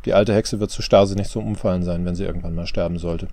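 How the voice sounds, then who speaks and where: A mocking older father from an audiobook, dry and teasing, voiced by a man in a low, gravelly tone. His voice sounds dark and close, with no room around it. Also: steady tone, fast, no room sound. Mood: wry. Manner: dry, mocking, asks questions back. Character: wry teasing older father who smokes cigars.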